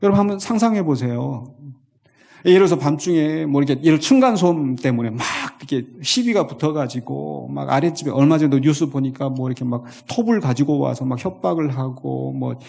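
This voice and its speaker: A man preaching a Sunday sermon, reading scripture slowly and with feeling in an animated manner. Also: medium pitch, vocal fry. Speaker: pastor.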